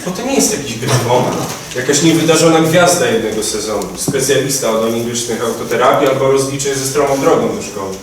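A man's voice: mid-range voice, a little fast, a crowd in the background, natural voice. A young man playing a pompous devotee. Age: late teens. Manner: grandiloquent, lecturing. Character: pompous, admiring devotee of a famous author. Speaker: student actor. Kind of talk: amateur stage acting. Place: converted attic hall at a school. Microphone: distant room mic. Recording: echoey room, distant mic, noisy.

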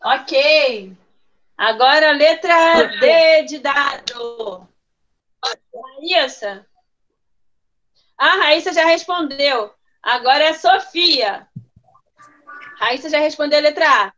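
Speaking slowly with frequent pauses, a first-grade teacher prompts and encourages young pupils by name during an online class. Her high voice has a slight brightness, heard through dull lo-fi video call sound.

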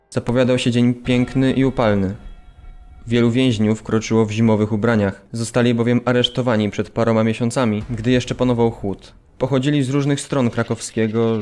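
A man's voice: medium pitch, a little mellow, natural voice. A man acting a grave former prisoner, reading his memories solemnly and with restraint in an audio drama. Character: grave male former prisoner remembering deportation. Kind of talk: dramatised documentary memoir reading.

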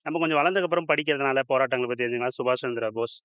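A man's voice: mid-range voice, racing, fairly bright tone, smooth, dry recording, studio quality. A middle-aged man on his way home from work, answering a street interviewer in short, listed points. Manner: listing points in short phrases. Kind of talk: street vox pop answers. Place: covered footbridge outdoors. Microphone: handheld interviewer mic.

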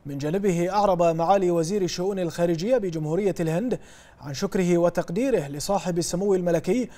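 A man reading a formal news report as a news reader, in a measured broadcast delivery. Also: high voice, warm tone. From Bahrain.

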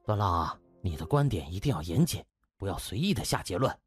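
A man voicing a cautious, stern senior hospital official with measured, guarded speech in an audiobook. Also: low-pitched, big pitch swings, breathy edge, no room sound, clean studio sound, soft background music, voice pushed down, full character voice.

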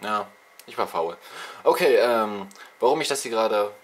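In his bedroom full of consoles and a TV, a young gaming-channel host rambles through an informal info vlog, self-mocking and heavy on fillers, slightly congested from a cold. His lowish voice moves with lively intonation at a moderate pace, captured by a handheld video camera's built-in mic.

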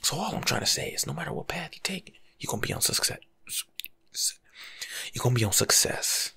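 A young man doing soft-spoken ASMR as a laid-back, rambling life coach, husky and often slipping into a whisper. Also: mid-range voice, wildly swooping pitch, fairly quick. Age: young adult. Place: small room at home.

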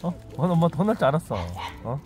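Fast and lively in intonation, his somewhat high voice carries across a rural kennel yard. The vlogger cares for rescued dogs, baby-talking the puppies, laughing often, and addressing both the dogs and his viewers in a casual way.

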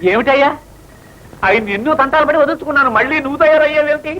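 An actor playing a flustered, pompous writer in a film comedy, with a theatrical manner. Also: male voice, very high voice, quick pace. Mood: fussy. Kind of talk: 1980s film comedy acting. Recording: dull old film soundtrack with faint hiss.

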